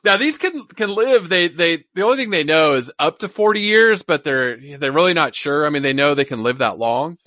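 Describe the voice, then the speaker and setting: A man's voice: on the high side, lively intonation, normal speed, few pauses, bright, forceful tone, no echo. A man co-hosting a podcast, explaining science in an informal, chatty way and often repeating himself. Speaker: podcast co-host. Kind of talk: casual science chat.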